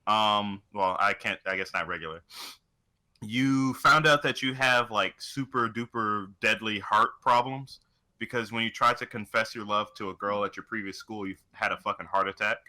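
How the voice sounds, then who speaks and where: A man's voice: fairly low pitch, steady tone, moderate pace, pushed and bright. A young man co-hosting a casual chat in a blunt, irreverent way, swearing casually. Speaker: podcast co-host.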